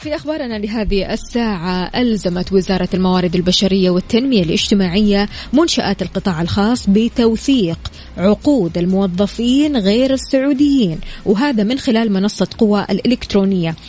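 A woman's voice: medium pitch, expressive, fast talker, a little mellow. A woman with a Saudi accent hosting a live morning radio show, chatty and speaking straight to her listeners. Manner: chatty, addresses listeners directly. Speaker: radio host.

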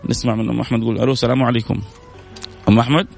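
A man's voice: medium pitch, level tone, very fast, creaky, darkish tone, faint music behind. A man hosting a radio charity call-in, making earnest pleading appeals and repeating blessings. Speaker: radio charity show host. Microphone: studio microphone.

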